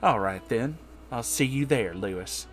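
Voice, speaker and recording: A man's voice: mid-range voice, expressive, a little slow, fairly bright tone, faint music behind. Man playing a curt, menacing hunter woman. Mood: cold agreement. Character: hostile, scornful Louisiana woman who hunts. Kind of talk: dramatized comedic story reading.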